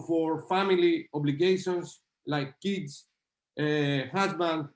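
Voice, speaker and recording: A man moderating an online panel discussion, halting and hesitant with many filler sounds. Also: a little high, roomy sound. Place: video call.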